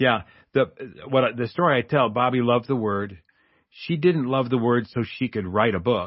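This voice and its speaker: Here a man with a plain, everyday voice talks at a moderate pace and medium pitch, with ordinary pitch variation. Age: 60s. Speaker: author. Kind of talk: interview discussing marriage.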